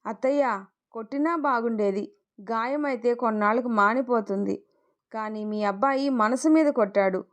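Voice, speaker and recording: Woman reading a sharp-tongued young wife in a storybook tale, emotional, a bit high. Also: moderate pace, natural voice. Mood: distraught. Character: young village bride, spirited then wronged wife.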